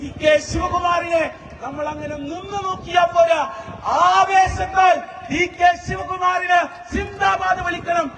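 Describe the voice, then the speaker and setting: A man with a Malayali accent shouts into a microphone at an outdoor political rally, his voice very high and held on nearly one note. He sounds far from the recorder, with echo and loud crowd noise all around him. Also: level tone, a little slow, vocal fry. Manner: shouted, chanting slogans. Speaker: rally announcer. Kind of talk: fiery political rally compering.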